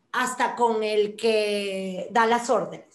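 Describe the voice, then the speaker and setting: A woman's fairly high voice with audible room echo. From Venezuela, Lechería (Anzoátegui). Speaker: actress and comedian. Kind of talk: casual interview.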